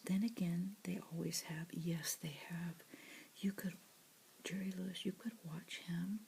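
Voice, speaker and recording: Woman, close-mic ASMR whisperer reading news aloud, low, gravelly, faint hiss behind. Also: fairly even intonation, measured pace. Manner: soft whisper with asides.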